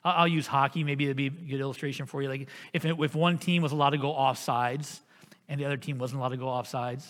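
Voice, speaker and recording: A man preaching a sermon as pastor, telling a family story in an earnest, animated way. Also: medium pitch, quick pace, in a large hall.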